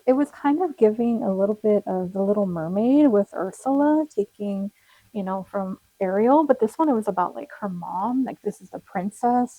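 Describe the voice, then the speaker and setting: Casual tarot reader, young woman, rambling and friendly, voice going hoarse. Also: mid-range voice, dark tone, no echo, rough recording. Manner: chatty, rambling, with frequent fillers and little laughs. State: losing her voice, slightly cracking. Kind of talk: casual tarot reading to viewers.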